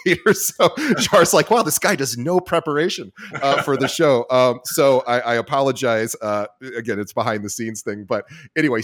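Upbeat man hosting a podcast. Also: on the low side. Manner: energetic, repeats himself, self-deprecating. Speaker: podcast host. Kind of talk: casual interview hosting.

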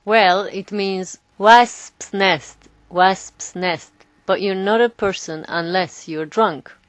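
A woman co-hosting a language podcast, cheerful and quick to laugh. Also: medium pitch, no echo. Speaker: podcast co-host, native speaker. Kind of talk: casual podcast talk.

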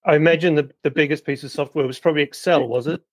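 A man's voice: a little high, fairly even intonation, fast, no room sound. A man hosting a business podcast, introducing guests and asking easygoing questions. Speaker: podcast host. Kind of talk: podcast host interview.

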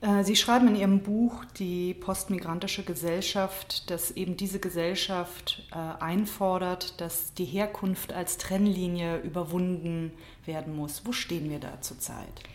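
A woman's voice: on the low side, steady tone, a little slow, few pauses. A woman radio interviewer asking direct, concise questions. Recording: roomy studio echo.

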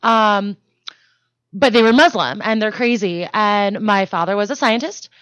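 A woman's voice: mid-range voice, a little slow, a bit bright, no room sound. A young adult woman, born in Denmark and raised in the US, co-hosting a casual comedic podcast and telling stories bluntly while swearing freely. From born in Denmark to Iranian parents, raised in the US. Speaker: podcast co-host.

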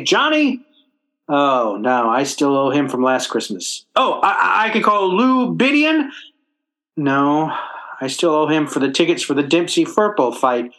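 A male actor plays a luckless working-class family man in an old-time radio sitcom, blustering and stammering in folksy, ungrammatical speech. His pitch lurches up and down, and his exaggerated voice has a bright, forceful tone.

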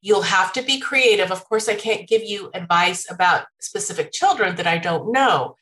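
A woman giving parenting advice in a relaxed conversation, laughing often and slipping into a sing-song tone when acting out what parents can say. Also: mid-range voice, normal speed, poor audio. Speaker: parenting expert guest.

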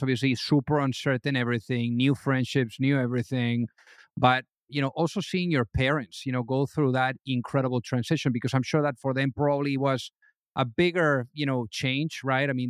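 A man's voice: smooth, no echo, studio quality. A male podcast host who opens the show with enthusiasm and asks his guest questions, often repeating words as he forms them. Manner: enthusiastic, rising pitch on greetings. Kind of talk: upbeat interview hosting.

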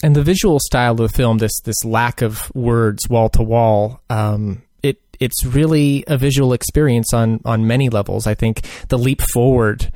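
A man's voice: medium pitch, moderate pace, few pauses, a little mellow, dry recording, studio quality. A man hosting a podcast film discussion, putting questions to the panel. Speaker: podcast host.

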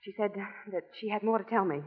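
A woman's voice: medium pitch, quick pace, breathy edge, close to an everyday voice. A woman playing an earnest, anxious young woman in an old radio drama, with hesitant, emotional phrasing. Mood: wondering. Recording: thin, dull old radio recording.

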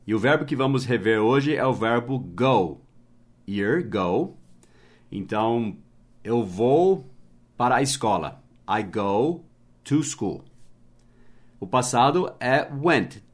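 An English teacher hosts a casual podcast lesson in an expressive, medium-pitched voice. He explains patiently, spells words out letter by letter, slows down to model English phrases, and tacks on tag questions.

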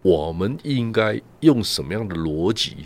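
Guy on a radio chat, lowish voice but swings up and down a lot, keeps asking "right?" as he tells his stories. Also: animated, unhurried. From Taiwan. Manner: storytelling, peppers talk with rhetorical "right?" and "ha". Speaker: guest commentator.

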